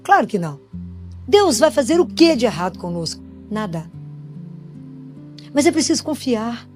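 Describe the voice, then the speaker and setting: Brazilian woman, high voice, chatty sermon full of rhetorical questions, faint music under. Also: very animated, moderate pace, darkish tone. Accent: Brazilian Portuguese. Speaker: Catholic speaker and pediatrician. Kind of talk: preaching sermon. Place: church gathering after communion.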